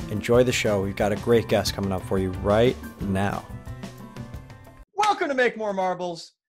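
Clear music plays behind a man speaking in an upbeat tone. He keeps a moderate pace with long, frequent pauses. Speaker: podcast host. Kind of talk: show intro. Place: home room. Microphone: studio mic.

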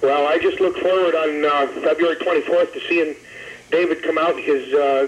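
A man speaks over light background noise. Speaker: caller, boxing ring announcer. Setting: phone. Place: studio.

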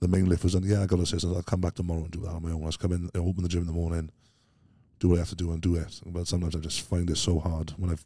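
Over a quiet background, a man with a Welsh accent talks at a very fast pace in a dark, mellow, somewhat breathy tone, his very deep, low pitch held in a monotone, flat intonation. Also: dry sound with no echo. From Wales. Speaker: strongman athlete; podcast guest. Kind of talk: casual interview. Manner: talkative. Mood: earnest, reflective. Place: studio. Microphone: studio mic.

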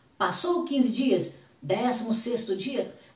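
A woman speaks with a fairly high pitch. Audible room echo fills the recording. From Rio de Janeiro, Brazil. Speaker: home remedy video creator. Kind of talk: tutorial. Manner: warm, persuasive. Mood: calm, warm, instructive. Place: home room.

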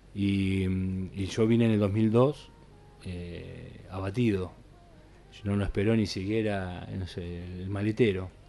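Faint music plays behind a man with a fairly low pitch who speaks at a very slow pace, flat and monotone, with big swings in loudness. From Ciudadela, Buenos Aires, Argentina; Buenos Aires. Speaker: football team physiotherapist; guest. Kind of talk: interview. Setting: radio studio. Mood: reflective, emotional. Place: studio. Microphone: studio mic.

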